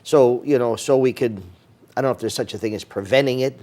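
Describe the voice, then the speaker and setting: A man's voice: mid-range voice, fast, mellow. A man hosting a local TV talk show, who talks in a folksy, rambling way with many fillers and restarts.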